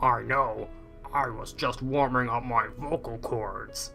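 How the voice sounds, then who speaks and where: A put-on character voice at a low-to-middle pitch and a fairly slow pace, over clear music in the background. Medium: read story. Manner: earnest.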